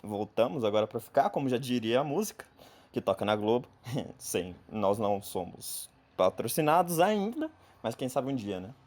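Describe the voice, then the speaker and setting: A podcast host in his twenties from northern Paraná, Brazil, chats in a casual, jokey way and keeps tossing in "né?" tags. His voice is medium-pitched and a little mellow, with big swings in pitch, at a moderate pace.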